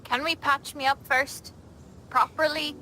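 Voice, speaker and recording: A woman's voice: high voice, steady tone, unhurried, pushed and bright, slight background noise, low-quality recording. A woman speaking casually in character as a player in a tabletop roleplay session.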